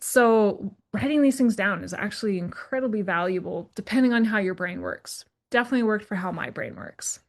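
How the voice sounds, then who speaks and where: Chatty woman hosting a solo podcast. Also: mid-range voice. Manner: chatty and candid, full of fillers and asides; self-described introvert. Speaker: podcast host and career coach.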